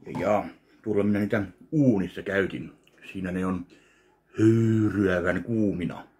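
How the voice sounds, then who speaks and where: A man's voice: sits low, a little mellow. A man in his thirties, recording a casual food tasting vlog at home, talking between bites and humming while he chews. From Finland. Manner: chewing and savoring aloud, mumbled asides while eating. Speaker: food review vlogger. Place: small home kitchen, indoors. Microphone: webcam at desk, framed close.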